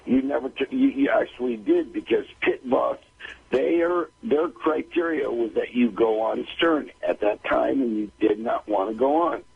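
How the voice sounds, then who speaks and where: A man's voice: mid-range voice, lively intonation, normal speed, vocal fry, husky. A man calling in to a radio show over the phone as an informal talent manager, arguing insistently and repeating himself. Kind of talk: unscripted phone-in argument. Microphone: telephone. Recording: tinny narrowband phone line.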